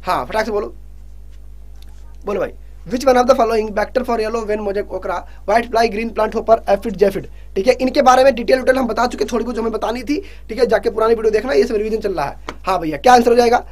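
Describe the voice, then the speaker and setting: A young man hosts a live online revision class, reading questions and urging students to answer right away. He scolds and jokes in turn, keeping the pace lively. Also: sits high, normal speed, slight background noise. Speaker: online exam-prep teacher.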